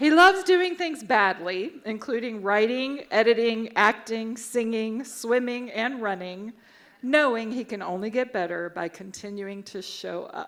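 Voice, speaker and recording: A woman speaks at a fairly slow pace in a plain, everyday voice. Her pitch is fairly high and her intonation lively. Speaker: event host. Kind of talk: stage introduction to live audience.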